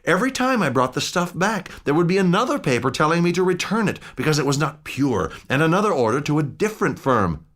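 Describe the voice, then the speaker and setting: Guy doing a jittery old butler, high and urgent, kinda begging. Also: big pitch swings, fast, hardly any pauses, fairly bright tone. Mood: fearful urgent. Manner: urgent, frightened pleading. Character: anxious older male butler, frightened and pleading.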